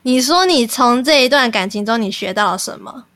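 A woman's voice: a little high, animated, fairly quick, a bit bright, dry recording. A woman hosting a call-in show, asking short questions and reacting with exclamations. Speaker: podcast host. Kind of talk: call-in radio-style chat.

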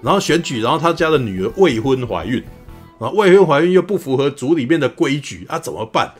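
A man's voice: medium pitch, very animated, quick pace, slightly rough, faint music behind. A man hosting a podcast, retelling a drama's plot in casual chat with many fillers, acting out quoted lines in a raised voice. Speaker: podcast host.

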